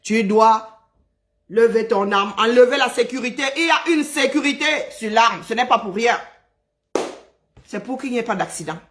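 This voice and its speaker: A man's voice: very high-pitched, lively intonation, moderate pace, fairly bright tone. A man from Cameroon, ranting on a live stream, agitated and indignant, hammering his points home by repeating phrases. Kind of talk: angry live-stream rant.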